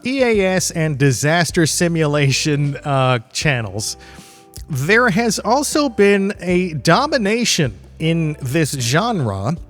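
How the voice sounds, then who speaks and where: A man hosting a solo podcast, talking in a casual, rambling, candid way with loose swearing and chuckles mid-sentence. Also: a little high. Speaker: podcast host.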